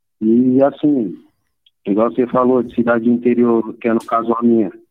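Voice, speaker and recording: This man's medium-pitched voice proceeds at a fairly slow pace. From Brazil, Pernambuco sertão. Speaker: caller. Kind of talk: phone-in call. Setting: phone call.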